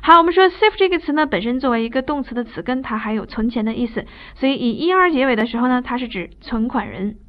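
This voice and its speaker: Woman ESL teacher, high voice, lecture with slow drilled phrases, dull lo-fi audio. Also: lively intonation. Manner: switches between fast chatty explanation and slow drilled English phrases. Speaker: English teacher. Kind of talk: recorded classroom lecture.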